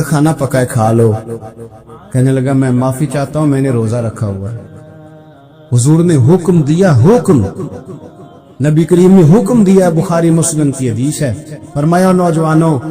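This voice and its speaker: A man delivering an emotional sermon, telling stories and quoting other people, his voice dropping low and then rising to exclamations. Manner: sways between hushed quoting and raised exclaiming. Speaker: preacher.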